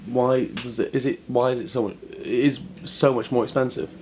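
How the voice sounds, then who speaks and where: A woman's voice: a bass voice, steady tone, normal speed, darkish tone, a little hiss or hum. A woman co-host in a casual chat, curious, asking short questions.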